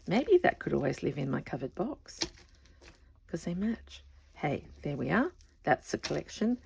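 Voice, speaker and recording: A woman craft vlogger in casual show-and-tell chat, rambling and often trailing off softly. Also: sits low, vocal fry, breathy edge.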